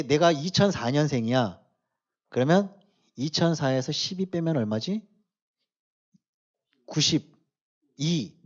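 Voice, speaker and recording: A man preaching to a church youth group, shifting between quiet asides and loud emphatic exhortation, often asking his listeners questions. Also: a little high, highs cut off. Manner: casual, speaks directly to the youth with questions. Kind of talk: sermon to teenagers.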